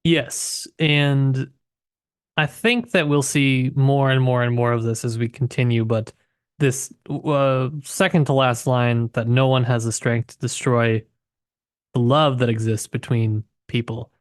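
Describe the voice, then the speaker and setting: A man's voice: mid-range voice, fairly even intonation, unhurried, clear, resonant tone, no echo, clean studio sound. A man co-hosting a casual literary discussion, speaking in a reflective, tentative way and often qualifying his own points. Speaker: podcast co-host discussing literature.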